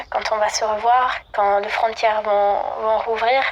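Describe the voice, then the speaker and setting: A woman speaks at a very slow pace with monotone, flat intonation. Her pitch is fairly high, and there is noticeable background noise. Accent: Italian. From Italy. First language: Italian (speaking French). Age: 20s. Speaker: listener leaving a voicemail. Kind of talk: voice memo testimony.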